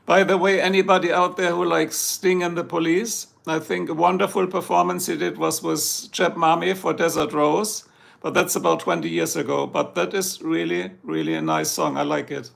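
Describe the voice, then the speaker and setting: A hoarse middle-aged man with a German accent, his voice heavily gravelly and a touch higher than most men's. He rambles and jokes with his livestream viewers in a loose, chatty way. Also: steady tone, normal speed, fairly bright tone. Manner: joking, chatty, reads out viewer comments. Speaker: livestream host. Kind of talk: rambling casual chat with viewers.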